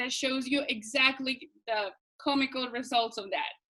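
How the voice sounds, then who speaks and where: A woman with a Colombian accent speaks in a raised, projected, high voice with a bright, sharp tone and ordinary pitch variation. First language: Spanish. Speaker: guest reader. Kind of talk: casual interview.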